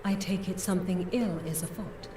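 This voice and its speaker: A woman's voice: fairly low pitch, moderate pace, close to an everyday voice. An actress playing a proud, courteous female warrior in a fantasy game, with formal, stately speech. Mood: proud, earnest. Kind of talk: fantasy video game voice acting. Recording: roomy distant game audio with noise.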